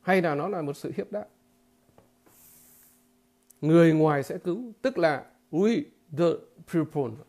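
A man giving a political commentary monologue to his viewers, halting and repeating filler words, emphatic and blunt. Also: fairly high pitch, a little mellow. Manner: emphatic, with blunt crude imagery.

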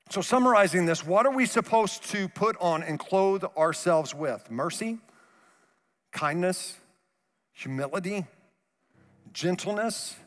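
In a reverberant church auditorium with faint music underneath, a thirty-something pastor preaches on stage using a headset mic. He walks back and forth, gesturing expansively and full of animation, sometimes softening to a low voice to stress a point.

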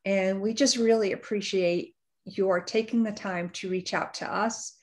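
A woman's voice: mid-range voice, fairly even intonation, unhurried, darkish tone. Upbeat woman podcast host. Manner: upbeat, appreciative, praising the guest. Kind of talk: casual interview hosting.

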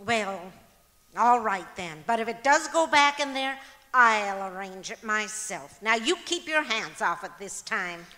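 A woman's voice: mid-range voice, animated, a little slow, sharp tone. A woman playing a long-suffering, firm wife in an old-time radio comedy, dry and exasperated. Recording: echoey auditorium stage with long reverb.

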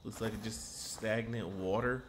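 A man's voice: lowish voice, fairly even intonation, unhurried, slight background noise. A man hosting a casual walking-tour video outdoors, chatting in a rambling, self-correcting way as he walks through dry woods. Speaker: travel vlogger host.

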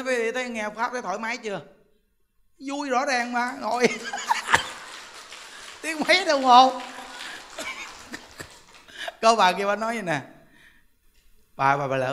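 A man's voice: high voice, a bit bright. A man with a Southern Vietnamese accent, a Buddhist monk giving a humorous Dharma talk, chatty and joking as he tells stories and laughs often. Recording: long hall reverb.

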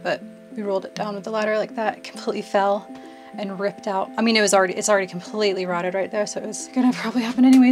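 A young woman talking casually and self-mockingly to her viewers while working on a camper, outdoors and inside it, into a clip-on mic. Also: medium pitch. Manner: chatty, self-mocking, laughs often. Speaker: vlogger. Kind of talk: casual DIY vlog. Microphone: clip-on mic held to the mouth.

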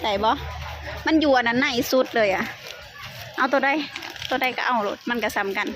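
A woman's voice: fairly high pitch, normal speed. A woman with an Isan accent chatting casually to viewers as she shops, exclaiming and repeating her phrases. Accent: Isan (northeastern Thai). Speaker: shopping vlogger addressing viewers. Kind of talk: casual live vlog chat while shopping at a market. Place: busy market. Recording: noisy market ambience.

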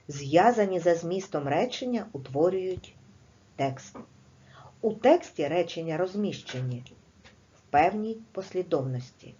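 A woman teaching a primary school class in a recorded video lesson, explaining slowly and clearly with patience. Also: on the low side, dark tone, highs cut off.

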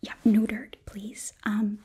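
A young woman playing an eager, apologetic demon princess who runs a hotel, gently whispering in an ASMR roleplay with a hesitant manner. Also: medium pitch, completely flat delivery, slow pace, slight background noise, natural voice. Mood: gentle, reassuring. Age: young adult. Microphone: close microphone, seated before camera.

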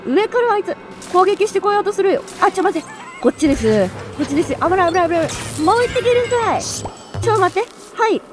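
A woman streamer giving excitable, chatty commentary while playing a video game, full of quick exclamations. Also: very high voice, over music. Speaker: let's play streamer. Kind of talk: live gameplay commentary.

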